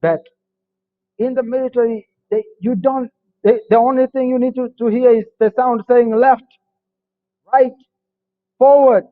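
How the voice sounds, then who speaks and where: Kenyan-born male veteran guest, high voice, tinny remote audio, plain and firm. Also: steady tone, measured pace, long pauses. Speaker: panel guest, army veteran. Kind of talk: panel discussion. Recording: tinny phone-like line.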